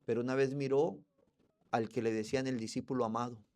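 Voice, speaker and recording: A male Colombian preacher delivers an expository sermon in a Colombian accent. He speaks with fervor and turns often to the congregation as brothers. His voice sits at a middling pitch for a man. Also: steady tone, a little fast, a little mellow. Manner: fervent, addresses the congregation as brothers. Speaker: pastor.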